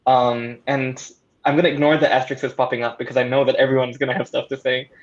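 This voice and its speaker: A man thinking aloud in a halting, thoughtful way as a panelist in a casual discussion. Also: mid-range voice, little pitch movement, dull audio. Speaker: audio drama creator and panelist.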